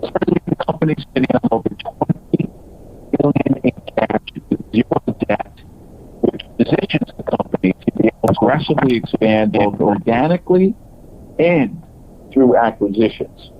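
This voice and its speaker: A man presenting as a company executive, reading scripted earnings call remarks in a halting way with broken phrasing. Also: mid-range voice, lively intonation, slight background noise. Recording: dull, lo-fi conference call audio.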